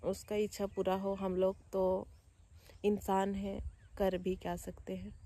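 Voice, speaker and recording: A young woman speaks in a low, grieving tone, her pitch staying flat and even. She talks slowly and quietly as a vlogger, recorded outdoors with a faint hiss of noise. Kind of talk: personal vlog talk. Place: outdoors at family graves by home.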